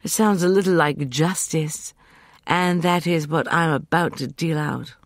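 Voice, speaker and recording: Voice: mid-range voice, measured pace, no echo, clean studio sound, voice pushed up, natural voice. A narrator voicing an imperious, vengeful young woman with a light, piercing, scornful voice.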